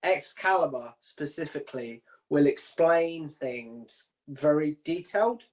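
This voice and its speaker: A man with a fairly high-pitched voice hosts a casual chat. He is informal and matey, putting questions and sharing his own views like one mate talking to another. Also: expressive, a little slow. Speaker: interviewer, video channel host.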